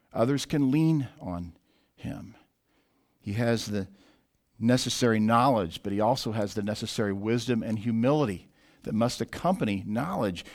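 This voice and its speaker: A man with an American accent speaks at a medium pitch, in an unremarkable speaking voice. The recording is very clean, with a silent background. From US Midwest (Southwest Missouri). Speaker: pastor. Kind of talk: sermon.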